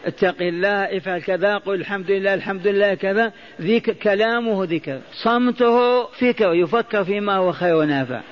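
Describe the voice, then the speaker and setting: A man with a high voice gives a Quran lesson, going over phrases again and asking his listeners questions. He chants the verses he quotes, and the recording sounds dull and lo-fi. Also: a little fast. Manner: repeats phrases, stops to quiz listeners. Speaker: Quran teacher.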